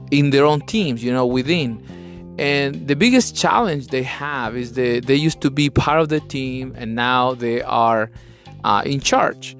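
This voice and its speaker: A man from Chile with a Chilean Spanish accent, a native Spanish speaker, hosting a conversational leadership podcast in an earnest, instructive way. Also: medium pitch. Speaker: podcast host.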